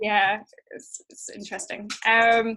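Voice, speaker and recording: Bright and sharp in tone, a woman with a Scottish accent speaks at a fairly high pitch. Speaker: activist, former regenerative culture coordinator. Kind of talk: presentation on video call. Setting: video call from home. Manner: fast.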